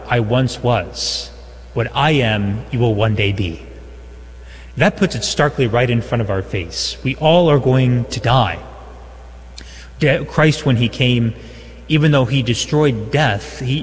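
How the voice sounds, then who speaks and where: Priest preaching, easy joking tone, mid pitch, big cathedral echo trailing every word. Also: male voice. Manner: conversational, with light humor. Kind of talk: gospel reading and homily. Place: large church. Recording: long echo of a large church.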